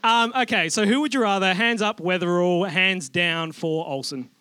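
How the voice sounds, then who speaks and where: A man in his thirties co-hosting a podcast, wisecracking and quick to laugh. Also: sits high, crowd noise. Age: 30s. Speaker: podcast co-host. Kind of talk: casual comedic chat.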